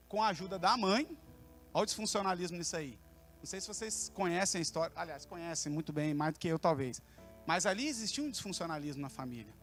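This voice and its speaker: A man's voice: high-pitched, a bit bright. A man preaching with a Brazilian Portuguese accent in a church service, telling stories in a colloquial, humorous way. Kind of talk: sermon.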